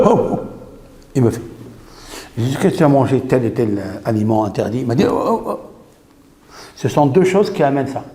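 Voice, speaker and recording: A man, a rabbi, recounting a story in an animated teaching style, mixing in Hebrew terms. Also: medium pitch. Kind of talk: storytelling Torah lesson. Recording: echoey room with faint noise.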